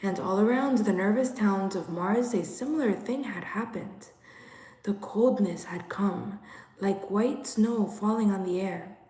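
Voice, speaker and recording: A woman reads a story aloud as a storyteller, taking her time over each phrase. Her voice is mellow and relaxed, with a dramatic, measured delivery. The room adds a noticeable echo. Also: medium pitch. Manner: measured, dramatic, hushed in places. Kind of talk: expressive literary story reading. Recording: roomy, echoing room sound.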